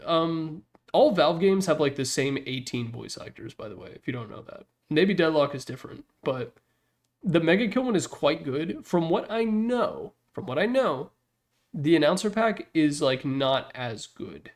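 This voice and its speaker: A man's voice: fairly high pitch, big pitch swings, normal speed. A man giving casual, opinionated commentary in an informal, blunt way, as a gaming content creator.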